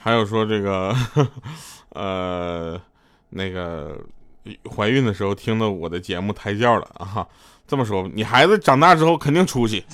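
A man's voice: fairly low pitch, moderate pace, very noisy. A man hosting a comedic radio show, telling jokes in a loose, rambling way and chuckling at his own punchlines. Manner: joking storyteller, chuckles between punchlines; loose, stumbling restarts.

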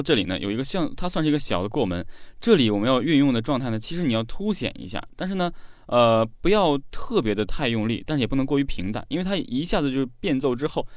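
A man's voice: mid-range voice, dry recording, studio quality. A man teaching a singing lesson, explaining technique step by step with frequent filler sounds. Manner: talks learners through each line step by step, with frequent fillers. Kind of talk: vocal coaching lesson.

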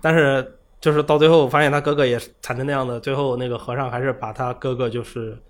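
A man chatting casually about a video game, retelling side stories in a rapid, rambling way with many fillers. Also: medium pitch, fairly even intonation.

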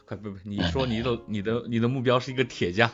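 A man's voice: medium pitch, fast talker. A man in casual chat with a teasing way of talking. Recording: slightly dull, music behind.

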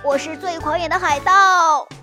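A woman voicing a small boy mouse who is bold but easily frightened, shouting when excited and stammering when nervous, in a children's storybook. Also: high-pitched, moderate pace, soft background music.

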